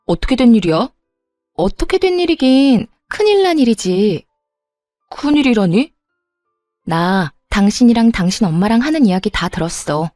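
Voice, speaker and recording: A woman's voice: mid-range voice, mellow, no echo, studio quality. A woman narrating her own story in the first person, speaking in a cool, cutting and firm manner.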